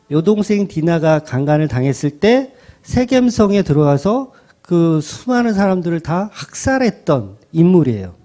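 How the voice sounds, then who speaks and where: A man's voice: sits high, mellow. A man preaching as pastor in a conversational style, often starting sentences over. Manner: conversational preaching with many restarts and repeated "그러니까". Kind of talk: sermon.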